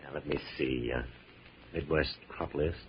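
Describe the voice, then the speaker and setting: An actor playing a confident, commanding scientist-investigator in 1940s radio drama style, speaking with precise authority. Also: male voice, a bass voice, a little slow, a little hiss or hum. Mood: thoughtful, assured. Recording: muffled old radio recording.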